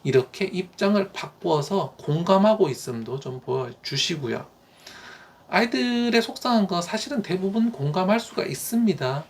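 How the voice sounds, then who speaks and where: A man who teaches elementary school gives parents calm, explanatory advice, with frequent "uh" fillers. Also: on the high side.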